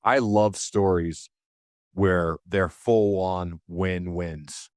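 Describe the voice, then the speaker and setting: A man's voice: sits low, fairly even intonation, very slow, a little mellow, no room sound, clean studio sound. A man, interviewing casually as a podcast host in an enthusiastic, emphatic way.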